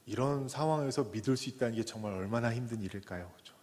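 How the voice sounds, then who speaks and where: A man, a pastor, preaching a sermon who acts out the voices in the story, from loud cries to soft whispers. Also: medium pitch, fast. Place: church sanctuary. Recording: church hall with long reverb.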